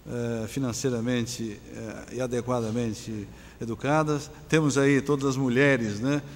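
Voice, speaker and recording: A man's voice: medium pitch, steady tone, measured pace, a little hiss or hum. Brazilian man moderating a panel, formal, keeps tagging lines, reverby hall. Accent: Brazilian Portuguese. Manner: formal, with frequent tag questions. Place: large conference hall.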